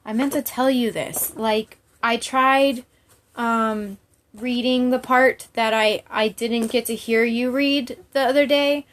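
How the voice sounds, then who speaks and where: A woman's voice: a little high, steady tone, slow pace. A woman chatting casually to viewers as a livestream host, candid and rambling in a giggly, informal way.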